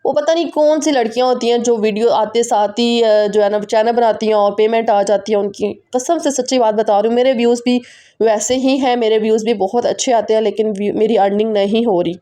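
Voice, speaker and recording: A woman vlogger with a Pakistani Urdu accent, chatting quickly and directly to her viewers in a casual voice-over. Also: a little high, steady tone, warm tone. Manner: fast, run-on, talking straight to viewers.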